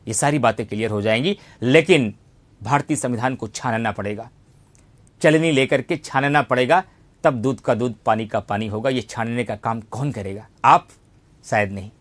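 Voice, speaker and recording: A man's voice: mid-range voice, a bit bright. A man teaching an online civics class, emphatic, repeating phrases and posing rhetorical questions. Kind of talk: online exam-coaching lecture on civics.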